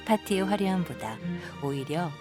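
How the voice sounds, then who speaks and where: A woman narrating an audio drama like a storyteller, gentle and measured, with breathy sentence endings. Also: lowish voice, expressive. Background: music.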